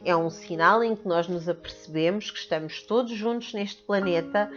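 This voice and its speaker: Addressing the camera in a spiritual video, a woman speaks with earnest emphasis and keeps repeating herself. She has a mid-range voice and a European Portuguese accent, being from Portugal and the Netherlands, and the audio is dull.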